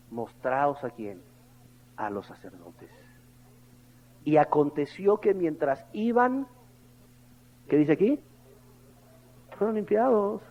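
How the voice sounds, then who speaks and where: A man preaching a sermon, swinging from loud fervent calls to hushed, low phrases. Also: highs cut off, slight background noise.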